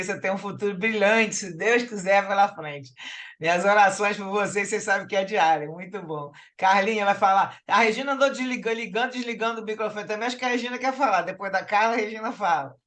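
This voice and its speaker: A woman's voice: medium pitch, fairly quick, fairly bright tone. A woman coordinating an online study group, calling on people to speak in a friendly way, over a video call. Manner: friendly, directs who speaks next. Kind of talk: moderating a discussion.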